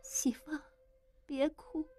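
A woman's voice: little pitch movement, slow pace, dark tone, soft background music. A woman doing a tearful young maid. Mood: tearful, pleading. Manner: high, tearful pleading.

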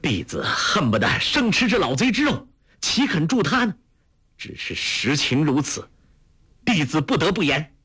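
A man's voice: a little high, wildly swooping pitch, normal speed, pushed and bright, husky, voice pushed up, full character voice. A man voicing an earnest young male hero in a storybook who cries out in strained, grief-stricken indignation. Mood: indignant. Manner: strained, crying out.

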